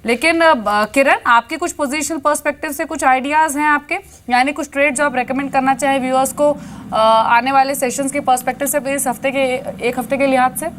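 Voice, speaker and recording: तेज़-तर्रार महिला business news anchor. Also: female voice, high voice, steady tone, fairly bright tone. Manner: brisk, fluent, mixes English terms into Hindi. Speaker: business news anchor. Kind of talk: live market news presenting. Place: television studio.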